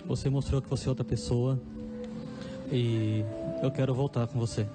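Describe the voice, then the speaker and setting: A man's voice: mid-range voice, steady tone, moderate pace. A young man speaking earnestly and romantically into a handheld microphone. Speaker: TV show participant. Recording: loud music over studio speech.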